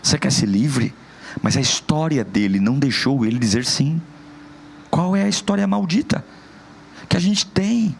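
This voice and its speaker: A male pastor delivers an impassioned sermon in a high voice. He slips into quoted people. His voice has a gravelly edge, with faint noise behind it.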